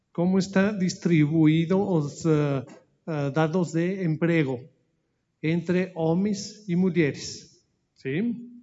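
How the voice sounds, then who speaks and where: A man with a Spanish accent presents slides slowly and haltingly, often stopping to search for words. His voice sits a little high for a man. The audio is dull and lo-fi. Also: dark tone. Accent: Spanish-speaking, mixing Spanish into Portuguese. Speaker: speaker at an anniversary event.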